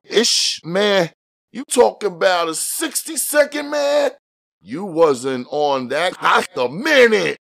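A hulking robber brags and wheedles in coarse slang, as a storyteller puts him on. The voice is raised well above the reader's deep natural tone. The sound is dry and close. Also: male voice, sing-song, slow, vocal fry, a bit bright, no echo, full character voice. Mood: boastful. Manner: boastful, pleading slang. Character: big brutish male robber, boastful and coarse.

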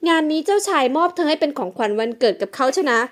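A woman's voice: sits high, very animated, fast talker. A woman reading the part of a scheming older woman in an audio novel, coaxing and pleading.

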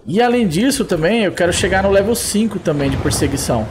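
A man doing excitable gameplay commentary, often exclaiming to his audience. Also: high voice, fast talker, noisy background. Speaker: gameplay streamer.

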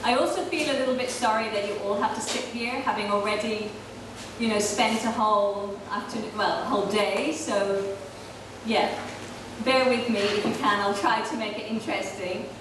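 A woman raised in Ireland giving an academic keynote lecture at a panel table, speaking in a measured, thoughtful way with frequent fillers. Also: mid-range voice, fairly even intonation. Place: large hall, on stage at a panel table. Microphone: table microphone, heard from far off. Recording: echoey hall from far off, noisy.

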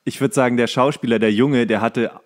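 A man's voice: medium pitch, steady tone, brisk. A young man chatting casually as a podcast co-host and commenting on a show as he watches.

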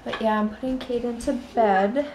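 A woman in her twenties, a mother vlogging at home at night, chatting casually and slowly to a phone held at arm's length. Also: a little high, slight background noise, low-quality recording. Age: 20s. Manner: relaxed, chatty, slow. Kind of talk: casual vlog chat to camera. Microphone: phone camera at arm's length.

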